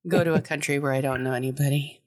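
A woman co-hosting a podcast in casual chat, blunt and casually swearing, with a deep voice. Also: fairly even intonation, quick pace, a little mellow. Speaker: podcast co-host.

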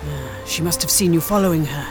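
An actress playing a suspicious, commanding boss who runs spies. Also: female voice, sits low, fairly quick, over music, close to an everyday voice. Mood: scheming. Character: scheming female spymaster boss.

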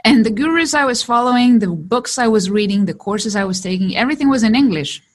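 A woman from Chile whose first language is Spanish, a digital marketer telling her story in a lively interview and laughing often. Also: a little high, quick pace. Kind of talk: conversational interview.

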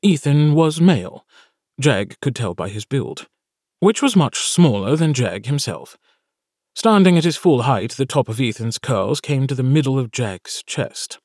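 Slow, expressive male audiobook narrator. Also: mid-range voice, no echo, studio quality.

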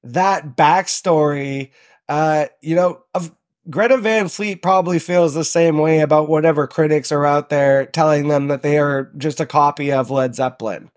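A young man from Southern Ontario, talking as a podcast guest. His voice sits a little high, and he rambles along in a loose, relaxed way with lots of ums and uhs. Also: normal speed. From Southern Ontario, Canada. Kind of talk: casual interview chat.

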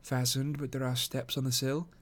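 A man voicing an assured, analytical gentleman detective in an audiobook, speaking in a precise, dry, instructive manner. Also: medium pitch, level tone, normal speed, lightly acted. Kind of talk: audiobook character acting.

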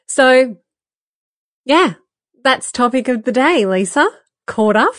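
A woman co-hosting a podcast, talking candidly with a croaky voice, laughing often and using many fillers. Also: sits high, lively intonation, slow pace, a bit bright, no echo, studio quality. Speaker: podcast co-host. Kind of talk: casual podcast chat.

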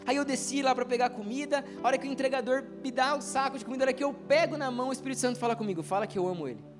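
A man's voice: extremely high pitch, rapid-fire, music in the background. A young man preaching a casual sermon, telling personal stories and acting out the dialogue. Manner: storytelling, acts out dialogue, laughs at himself.

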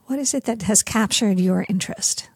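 A woman hosting an interview podcast, speaking in an attentive, measured way as she puts questions and addresses listeners. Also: mid-range voice, a little mellow, breathy edge, dry recording, studio quality.

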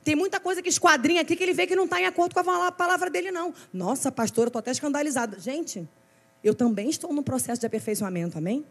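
A woman pastor with a Brazilian Portuguese accent, preaching a sermon in a lively, conversational way with frequent asides to the congregation. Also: very high-pitched, fast, gravelly.

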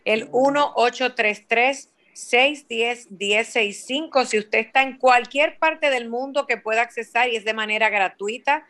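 A woman's voice: fairly high pitch, unhurried, hardly any pauses, a bit bright. A Dominican woman hosting a radio talk show, speaking emphatically and repeating key words for her listeners. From Dominican Republic. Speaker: radio host and family therapist.

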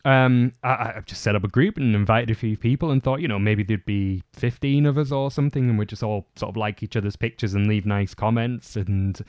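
A man with a soft, camp, slightly feminine voice, chatting casually as a podcast host. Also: fairly low pitch, fairly quick, few pauses, dry recording.

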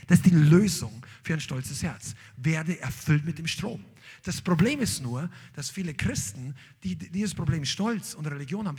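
A man preaching a sermon as pastor, animated and emphatic, with sudden loud peaks. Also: high voice, husky.

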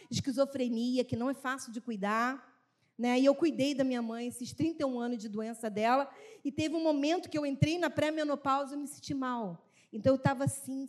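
Woman in her fifties, high voice, earnest church speaker sharing a testimony with acted-out dialogue. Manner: earnest storytelling, acts out family dialogue. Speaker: women's ministry speaker. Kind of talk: sermon testimony.

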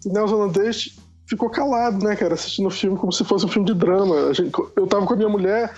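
A man with a Brazilian Portuguese accent in casual podcast chat, excitable and repeating his phrases. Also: sits high, fast, dull audio, faint music behind. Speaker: podcast co-host.

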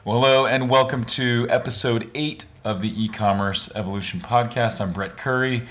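A man hosting a podcast in a casual, upbeat way, his voice a bit raspy from days of talking at a conference. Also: mid-range voice, steady tone, moderate pace, a bit bright. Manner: upbeat, conversational, with frequent fillers. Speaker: podcast host. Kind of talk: casual podcast chat with read ad. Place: on location at a conference.

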